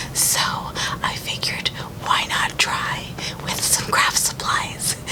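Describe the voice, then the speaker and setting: A woman whispers very slowly while noticeable noise sits behind her. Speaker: sewing crafter. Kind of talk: ASMR unboxing. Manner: soft-spoken.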